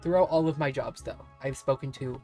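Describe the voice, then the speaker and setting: A woman's voice: extremely low pitch, fairly quick, warm tone. A woman streamer chatting casually while playing a game, rambling and laughing often. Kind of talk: casual chat while gaming. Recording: faint music behind.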